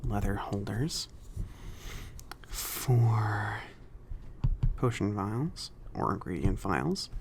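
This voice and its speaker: Male actor as friendly mage shopkeeper, ASMR roleplay, hushed, hesitant, unhurried, crackly fry, faint ambient noise. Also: fairly low pitch, animated, exaggerated voice. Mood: helpful, relaxed. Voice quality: soft, breathy, often near-whispered. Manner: hesitant, halting, casual. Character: friendly, awkward mage shopkeeper explaining alchemy.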